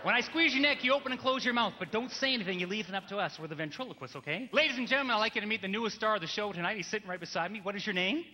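A man's voice: high voice, rapid-fire, few pauses. An American man in his forties doing live comedy patter as a ventriloquist on a theatre stage. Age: 40s. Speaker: ventriloquist performer. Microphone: headset. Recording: noisy live theatre with loud audience.

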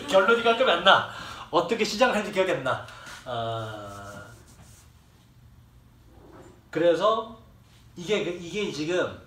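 A man's voice: high voice, very animated, slow, pauses often, sharp tone, slight background noise. A young man teaching a class, who rambles, jokes with his students and swears freely. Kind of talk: classroom lecture. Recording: echoey room, distant mic, faint ambience.

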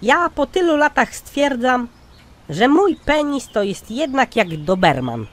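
Man acting a crotchety old cartoon grandpa, deadpan, drawn-out punchlines, very lively intonation. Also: extremely high pitch, full character voice. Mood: droll. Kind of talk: cartoon comedy skit acting.

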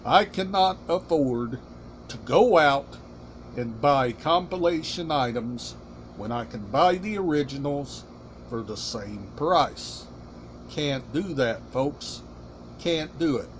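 A middle-aged man hosting a casual collection vlog, talking deliberately in short, halting, emphatic phrases. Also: mid-range voice, expressive, slight background noise. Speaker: collection channel host. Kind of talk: casual show-and-tell vlog. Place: small room indoors.

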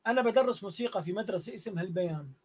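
Speaking quickly in a very high, husky voice with a Jordanian Arabic accent, a music teacher tells a story and acts out each exchange with animated energy. He is talking casually during a live online interview.

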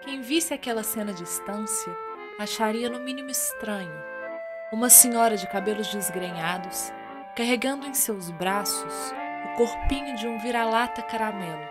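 A Brazilian woman narrating a scripted radio drama as a theatrical storyteller. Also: on the high side. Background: music with guitar.

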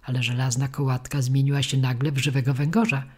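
Husky-voiced woman reading a children's story. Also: a bass voice, flat delivery, fast, darkish tone. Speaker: audiobook reader. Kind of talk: storybook narration.

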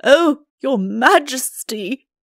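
Timid storybook courtier, voiced by a woman: flustered, deferential, fretful, in a raised pitch. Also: expressive, drawn-out words, dry recording, clean studio sound, full character voice. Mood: aghast, flustered. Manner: obsequious, fretful. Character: flustered, timid, deferential royal chancellor, easily shocked.

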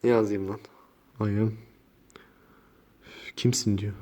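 A man's voice: fairly low pitch, flat delivery, slow pace. Slangy young man on a scare vlog. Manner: slangy, exclaiming, swings between mumbling and yelling. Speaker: YouTuber.

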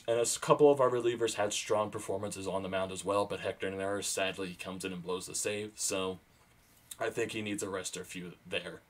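A young sports vlogger with a fairly low voice recaps the game as an excited fan, talking into his webcam from a small room at home. He shifts between calm stretches and loud, thrilled outbursts whenever big plays come up. His throat is sore and his voice is beginning to give out.

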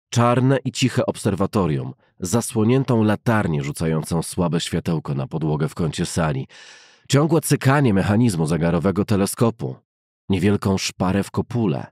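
A man reads a novel aloud as an audiobook narrator. His voice sits fairly low and has a husky grain. The delivery is measured and formal, in a literary storytelling style, captured close and dry with no room sound. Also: a little mellow, no room sound.

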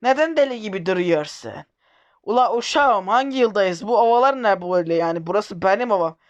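A gruff, bossy warlord barking in a rough Black Sea Turkish dialect, as a man puts him on in comic role-play over a game. The voice sits high for a man and stays folksy. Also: animated, fairly quick, lo-fi sound. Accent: put-on Black Sea Turkish dialect. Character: rustic male warlord speaking in a rural dialect.

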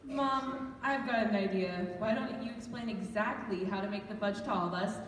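A woman's voice: medium pitch, moderate pace, natural voice. Woman acting dry sarcastic big sister, self-important teen, amateur radio drama, far from mic, heavy echo. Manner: dry, teasing. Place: church stage before an audience. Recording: echoey church hall, distant, faint noise.

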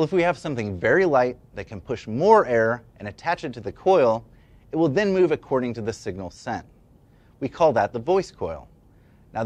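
A man in his thirties giving a scripted explainer as an instructor, with an emphatic, demonstrative delivery. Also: medium pitch. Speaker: educational presenter and instructor. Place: indoor studio at a demonstration table. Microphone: lapel mic.

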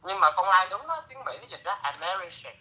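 A middle-aged man tells a story in a casual, lively way, his voice very bright and a little high. He drops into broken English phrases as he talks. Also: brisk, poor audio. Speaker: interviewee.

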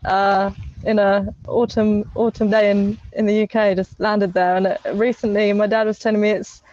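A woman's voice: medium pitch, flat delivery, moderate pace, a little mellow, no room sound. Young woman, chatty, talking thru earphones on a muffled video call. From England. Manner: chatty, many restarts and fillers. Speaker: podcast guest. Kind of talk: casual interview chat. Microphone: earphone mic on a video call.

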